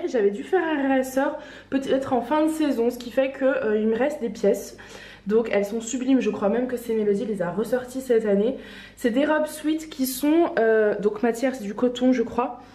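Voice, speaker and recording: A chatty woman with a slight cold, talking through outfits in a relaxed, rambling way full of little fillers. Her voice sits a touch high and sounds a bit roomy, like it was recorded in an echoey room. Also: normal speed. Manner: chatty, many fillers and restarts, light laughs. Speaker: online clothing shop owner. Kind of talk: casual fashion try-on vlog.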